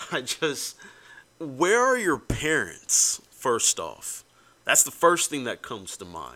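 A man with an American accent speaks at a very slow pace in a fairly high pitch, his bright, sharp tone edged with vocal fry and very wide pitch swings. The recording is very clean, with a silent background. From United States. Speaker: podcast host. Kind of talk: monologue commentary. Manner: halting.

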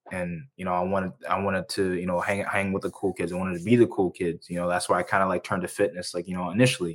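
On a very clean recording with a silent background, a man with a very deep, low pitch talks very fast in a monotone, flat way with hardly any pauses. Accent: American. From US South (Alabama). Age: 20s. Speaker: mental health survivor. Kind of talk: casual interview. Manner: halting, many fillers.

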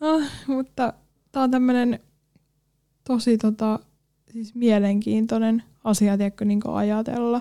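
A woman's fairly high voice, dark and mellow in tone, at a very slow pace with long, frequent pauses and fairly even intonation, in a dry, close recording with no echo. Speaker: podcast host. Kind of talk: casual chat.

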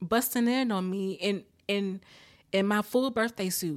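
A woman's animated, medium-pitched voice with ordinary pitch variation, on a very clean recording with a silent background. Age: 30s. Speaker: podcast host, TV recap reviewer. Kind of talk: casual solo recap monologue. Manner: animated, frequent laughter.

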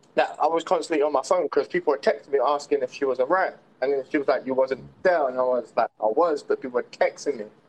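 A man with a London accent at a very fast pace, hardly any pauses, in a dry, close sound with no echo. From East/North London. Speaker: listener caller, young father. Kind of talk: casual chat.

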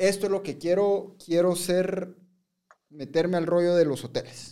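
A man with a Guatemalan accent speaks at a high pitch. His tone is dark and mellow, and his pace is fairly slow. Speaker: podcast host. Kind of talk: casual interview. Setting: studio.

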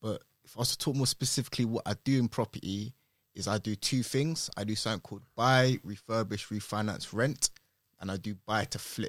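Speaking in a London accent at a fairly quick pace, a man with a medium pitch shows ordinary pitch variation and big swings in loudness, the sound dry and close with no echo. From northwest London. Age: 20s. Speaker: property investor. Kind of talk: casual interview chat.

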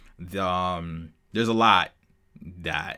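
The tone is animated, with ordinary pitch variation. The recording is very clean, with a silent background. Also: man. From United States. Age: 20s. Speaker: podcast host. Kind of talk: casual solo monologue.

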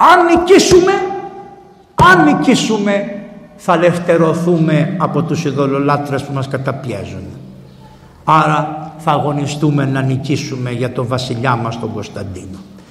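Amid noticeable background noise and audible room echo, a man speaks at a fairly high pitch with lively intonation. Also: fairly slow pace. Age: 60s. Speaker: priest. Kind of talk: sermon. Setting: church. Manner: animated.

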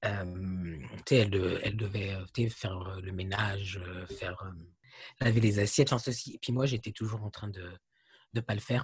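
This man's fairly low, somewhat breathy voice keeps a fairly even intonation, broken by long and frequent pauses, on a very clean recording with a silent background. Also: fairly slow pace. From France, Paris suburbs. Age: 40s. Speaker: graphic designer. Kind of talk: casual chat.

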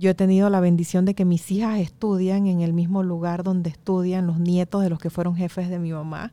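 In a very clean recording with a silent background, a woman speaks at a fairly quick pace with hardly any pauses. Her medium-pitched voice has a dark, mellow tone and a monotone, flat intonation. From Panama, rural Veraguas and San Miguelito. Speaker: foundation founder and speaker. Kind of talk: interview.

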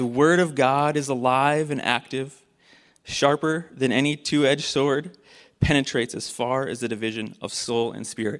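In a very clean recording with a silent background, a man with an American accent uses a normal speaking voice at medium pitch, with fairly even intonation and a moderate pace. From northern Wisconsin, US. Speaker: church elder candidate giving testimony. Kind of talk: testimony. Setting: church with congregation. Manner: warm, earnest, conversational.

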